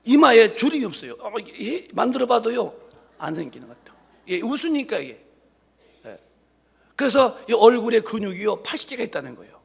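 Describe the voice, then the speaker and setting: A pastor in his late fifties preaches with a high, lively voice that leaps up and down as he jokes with his congregation. His tone is husky and gravelly, full of rhetorical questions and playful asides. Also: fairly quick. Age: 50s. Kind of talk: humorous sermon. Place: church sanctuary.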